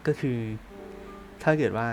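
A man narrating a ghost story in a casual, chatty podcast style, dropping to hushed tones for suspense. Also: measured pace, soft background music.

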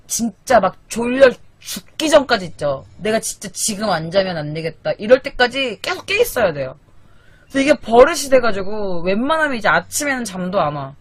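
Young korean girl streaming at night from her apartment, fed up and cussing, voice going up and down a lot. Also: a little high. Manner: animated, exasperated, swears casually. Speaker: live streamer. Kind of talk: casual late-night venting chat. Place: small apartment at night, sister asleep in the loft. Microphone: desk microphone.

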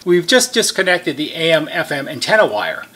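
An American man in middle age speaks in a slightly high register for a male voice. He explains a technical job as a repair technician would, going methodically step by step and spelling out the reason for each one. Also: very animated, moderate pace, sharp tone, a little hiss or hum. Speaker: repair technician giving instructions. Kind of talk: step-by-step how-to demonstration.

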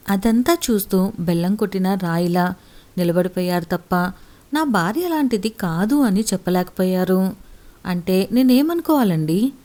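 A woman's voice: fairly low pitch, dark tone. A woman voicing a young wife who pleads emotionally with her husband in a storybook tale. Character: young wife, wronged and tearful.

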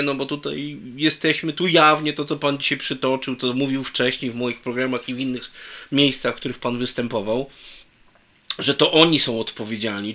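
Middle-aged host, emphatic, winding questions, video call from a bookshelf room. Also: male voice, mid-range voice, sharp tone. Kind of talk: political interview over video call. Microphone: video call webcam.

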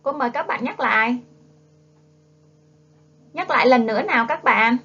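Woman teacher, Southern Vietnamese accent, fairly high voice, coaxing phonics drill, dull lo-fi recording. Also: normal speed, bright, forceful tone, breathy edge. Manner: coaxing, prompts children to repeat. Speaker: primary school teacher. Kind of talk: slow, drawn-out phonics lesson for young children. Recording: dull lo-fi classroom video audio.

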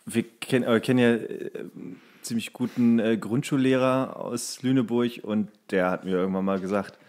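A man's voice: medium pitch, fairly even intonation, normal speed, darkish tone. A young man co-hosting a casual podcast chat in colloquial, slangy speech. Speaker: podcast co-host.

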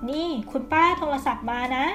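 A woman voicing a toy family's mother who scolds and coaxes her son gently. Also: brisk, soft background music, lightly acted. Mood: coaxing.

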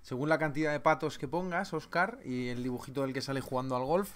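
Hosting a live trading webinar, a man reads viewer names aloud and jokes around with the chat. His voice is medium in pitch and he talks fast.

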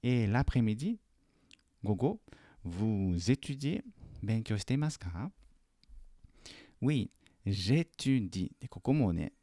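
A man teaching French in a lesson video, patiently correcting a student's homework and repeating French phrases slowly and carefully. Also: mid-range voice, sing-song, warm tone, no room sound, studio quality.

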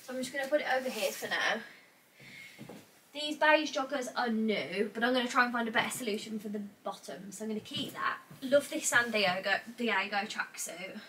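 A bright, fairly high-voiced young woman with a British accent chats away as she sorts her wardrobe, nasal and a bit stuffed up from a cold. She rambles in a relaxed, thinking-aloud way. The camera sits across a small bedroom, so she sounds slightly distant, with a faint hiss behind her. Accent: British English. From England. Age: young adult. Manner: chatty, thinks out loud, frequent "like". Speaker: vlogger. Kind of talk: casual chat to camera. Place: small cluttered bedroom wardrobe room indoors. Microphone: camera across the room. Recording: distant mic, faint noise.

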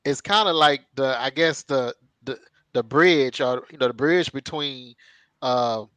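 A man's voice: mid-range voice, a little slow, fairly bright tone, no echo, low-quality recording. A man in his thirties co-hosting an interview over a video call, chatting loosely with lots of fillers and asides. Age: 30s. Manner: chatty, rambling with many fillers and laughs. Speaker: co-host. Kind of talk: casual interview chat. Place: home room on a video call. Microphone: headset on a video call.

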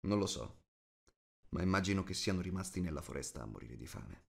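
Man voicing captive dwarf, fantasy audiobook, proud, stubborn, guarded, lowish pitch. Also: lively intonation, a little fast, gravelly.

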